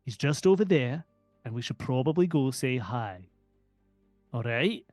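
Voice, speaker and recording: A man's voice: medium pitch, expressive, measured pace, a little mellow, dry recording, soft background music. A man playing a tabletop role-playing game, chatting casually and acting playfully theatrical. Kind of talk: casual in-character play and table chat.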